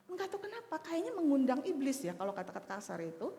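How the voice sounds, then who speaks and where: A woman in her fifties preaching a sermon, telling stories with sudden loud outbursts. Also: high-pitched, sing-song, fast, gravelly. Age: 50s. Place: church hall. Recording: echoey church hall with long reverb.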